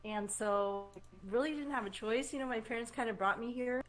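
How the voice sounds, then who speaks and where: A woman from Taiwan, Mandarin her first language, speaking as a podcast guest in a hesitant, soft way with many pauses. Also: a little high. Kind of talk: casual interview talk.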